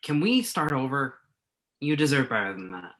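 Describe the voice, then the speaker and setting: Bright, animated male journalist, played by an actor. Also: medium pitch, moderate pace. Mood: apologetic. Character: wounded male magazine journalist, blunt but apologetic. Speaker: actor in a virtual staged reading. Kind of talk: naturalistic play reading.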